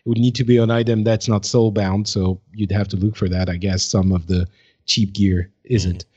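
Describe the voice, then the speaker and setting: A man's voice: lowish voice, little pitch movement, moderate pace, mellow, husky. Hesitant man in casual discussion, dull audio. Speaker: podcast co-host.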